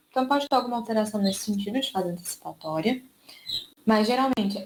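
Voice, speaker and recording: A woman with a Brazilian Portuguese accent, a speech therapist giving an online lecture and drawing out key words slowly to explain them. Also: medium pitch, a little hiss or hum, poor audio.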